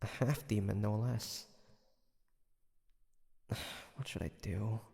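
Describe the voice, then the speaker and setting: A guarded, brooding monster hunter from the 1850s played by a male voice actor in an intimate audio drama. He speaks slowly and haltingly with a gravelly, husky voice, as if thinking aloud. The sound carries a long reverb. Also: lowish voice, mellow, exaggerated voice. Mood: conflicted, musing. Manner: hesitant, halting, sighing soliloquy.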